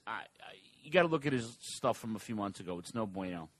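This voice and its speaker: A man co-hosting a casual talk show, reading listener questions and giving his opinions in an animated, offhand way. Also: fairly low pitch. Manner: animated, fast asides, reads listener questions. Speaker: podcast co-host.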